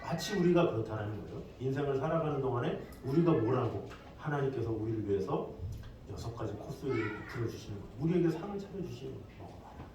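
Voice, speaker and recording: A middle-aged man preaching a sermon as pastor in a conversational way, with lively asides to the congregation. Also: mid-range voice, fast. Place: church sanctuary. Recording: echoey hall, distant mic, faint noise.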